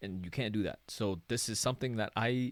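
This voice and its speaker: This is a man's voice at a medium pitch. His pitch varies in an ordinary way. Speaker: stock market analyst. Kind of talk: market analysis commentary.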